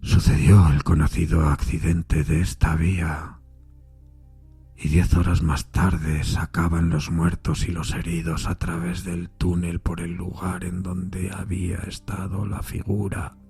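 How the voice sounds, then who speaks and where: An actor playing a haunted, anguished railway signalman who tells his story gravely in an audio drama, with a gravelly, husky voice. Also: low voice, level tone, warm tone, no echo, soft background music, full character voice. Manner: grave, troubled, deliberate storytelling. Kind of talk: dramatised Spanish-language audio fiction.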